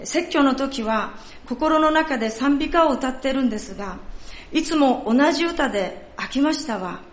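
Brief: woman putting on a ninety-year-old Kansai churchgoer, plaintive and pitched up, echoey church hall. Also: expressive, normal speed. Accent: Kansai dialect, put on. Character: frail woman over ninety, earnest churchgoer.

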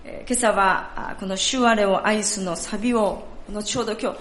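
A woman leading a church service, speaking in a polite, formal and measured way. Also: medium pitch, steady tone, a bit bright. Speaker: church worship leader. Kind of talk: sermon talk at a church service. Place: church sanctuary. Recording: echoey church hall, faint noise.

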